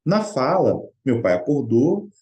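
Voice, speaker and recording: Mellow Brazilian man telling a personal story. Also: medium pitch, very animated, unhurried, lo-fi sound. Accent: Brazilian Portuguese. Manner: conversational, anecdotal, earnest. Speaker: Spiritist study speaker. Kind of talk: personal storytelling in a religious study talk.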